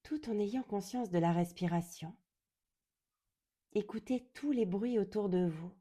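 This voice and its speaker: A woman guiding a yoga nidra meditation in a calm, gentle, soothing way, speaking deliberately and leaving long pauses. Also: mid-range voice. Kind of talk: slow guided meditation.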